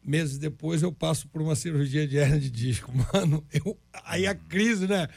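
A man's voice: on the high side, normal speed, vocal fry, slightly rough. A man, a bishop, telling a church testimony with mounting emotion. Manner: emotional storytelling, rising with excitement. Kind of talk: testimony in a church talk panel.

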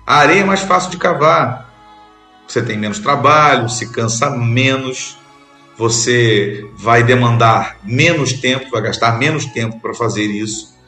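A man from Brazil preaching a sermon as a bishop, earnest, repeating phrases for emphasis and pausing between them. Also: medium pitch, bright, forceful tone, echoey room, soft background music.

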